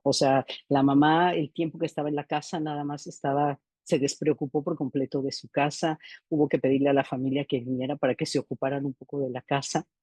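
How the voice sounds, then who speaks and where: A woman's voice: sits low, level tone, a little fast, a little mellow, husky, no echo. A middle-aged woman presenting a clinical case in a seminar, reflective and often ending phrases with a questioning "¿no?". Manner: reflective, tags sentences with "¿no?". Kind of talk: seminar lecture, case narration.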